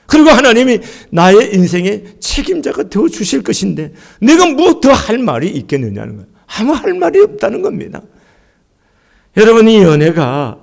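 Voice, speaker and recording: A middle-aged pastor from Gangwon Province delivers a sermon with fervor. His voice sits high for a man and leaps widely up and down. He moves between soaring lines and near-hushed ones. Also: gravelly. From Gangwon Province, Korea. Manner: impassioned preaching, swings from soaring to hushed.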